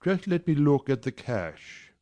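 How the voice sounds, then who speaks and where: Guy reading gruff teasing old-fashioned gentleman boss, bossy and dry, storybook drama. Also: a little high, very animated, a little slow, dull audio. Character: brusque teasing gentleman employer, middle-aged. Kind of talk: dramatized classic novel reading.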